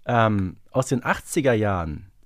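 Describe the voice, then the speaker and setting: A man's voice: lowish voice, expressive, unhurried, dry recording, clean studio sound. A man co-hosting a podcast, talking casually in a reflective, hedging manner. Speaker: podcast co-host.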